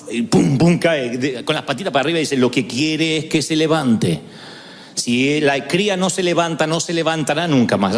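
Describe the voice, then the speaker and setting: A man preaching a sermon, telling stories and rising to shouted calls to celebrate. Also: high voice, big-room sound. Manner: storytelling, building to shouted exhortation. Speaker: pastor.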